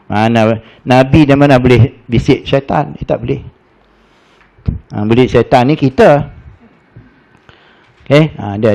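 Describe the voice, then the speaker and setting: A man with a Malaysian Malay accent, teaching a Hajj preparation class in a lively storytelling way, dropping in frequent "ha" fillers. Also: mid-range voice. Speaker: religious teacher. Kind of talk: Hajj course lecture.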